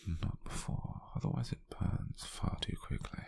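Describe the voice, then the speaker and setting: A British man playing a gentle, doting, teasing lover in an intimate, breathy, half-whispered ASMR roleplay, close to the microphone. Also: no room sound, close to an everyday voice. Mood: gently teasing. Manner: slow, tender, softly teasing.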